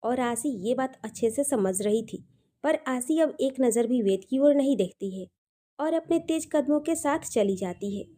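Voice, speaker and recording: A woman's voice: sits high, animated, moderate pace, mellow. A woman narrating a scripted romantic drama as an audio storyteller.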